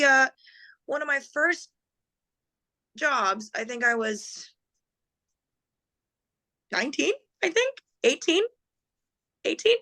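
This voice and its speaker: A woman's voice: sits high, gravelly, sharp tone. A middle-aged woman chatting casually as an interview guest, laughing often and growing emotional as she remembers. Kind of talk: casual conversation.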